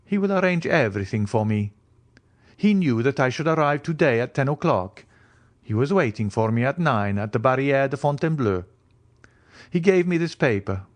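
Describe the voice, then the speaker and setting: A man's voice: mid-range voice, expressive, normal speed, pitched above the performer's own voice, close to an everyday voice. A mysterious, self-assured count, played by a male audiobook reader, speaks in a raised voice. His phrasing is formal and precise, with the lofty composure of an aristocrat. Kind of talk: audiobook character dialogue.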